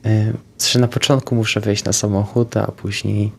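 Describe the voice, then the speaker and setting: A man, a player in a tabletop roleplaying game, haltingly narrating his own moves. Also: on the low side, level tone, creaky, a little hiss or hum.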